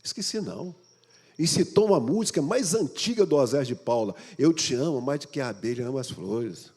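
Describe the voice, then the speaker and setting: A male pastor preaching a sermon, telling a story and acting out the dialogue in an animated way. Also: medium pitch, brisk, breathy edge. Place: church hall. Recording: long reverb of a large hall.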